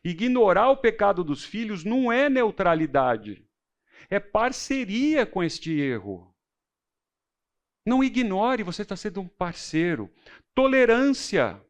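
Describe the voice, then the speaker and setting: Emphatic high-voiced male Bible teacher. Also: very animated, slow. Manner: preacherly, emphatic, shifting between low intensity and loud stress; uses personal anecdotes and rhetorical questions. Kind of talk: teaching a recorded church class.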